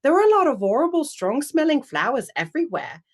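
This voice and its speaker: An actress playing a chirpy, chatty household maid who is pleased with herself, in a radio play. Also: female voice, sits high, very animated, fairly quick. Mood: chirpy, proud. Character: chirpy, self-satisfied female household maid. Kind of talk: theatrical radio drama acting.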